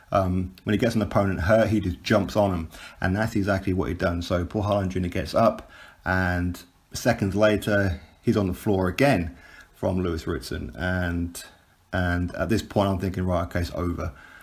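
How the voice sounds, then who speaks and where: Somewhat breathy and very deep and low in pitch, a man talks at a moderate pace with fairly even intonation. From Newcastle-born, raised in southern England. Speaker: boxing YouTuber. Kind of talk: casual fight review vlog. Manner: rambling with many fillers.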